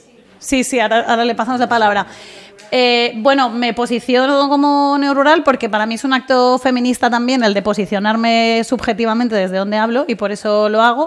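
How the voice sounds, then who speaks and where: A woman talks at a fairly quick pace with a high pitch and fairly even intonation, while her loudness swings widely. Noticeable background noise is present. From Madrid, Spain. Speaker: ecologist activist and researcher. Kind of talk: panel debate. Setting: live event with audience. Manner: fast.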